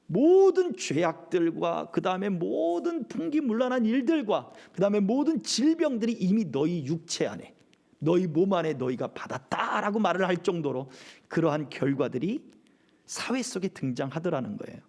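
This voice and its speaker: A man's voice: sits high, animated, moderate pace, creaky, darkish tone. A middle-aged male pastor preaching a sermon at a church service, often asking the congregation rhetorical questions.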